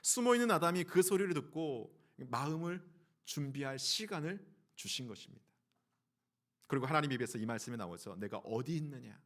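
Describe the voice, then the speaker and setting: A man's voice: on the high side, sing-song, fairly quick, a bit bright. A man, a pastor, preaching a Sunday sermon. He asks the congregation questions and acts out quoted lines in a changed voice. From South Korea. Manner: fillers and restarts.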